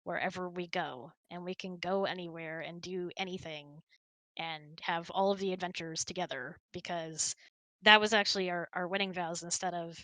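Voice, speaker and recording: Female host, casual and conversational, bright tone, dry sound. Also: fairly low pitch, steady tone, normal speed, dry recording, poor audio. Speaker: host answering audience questions. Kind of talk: casual chat.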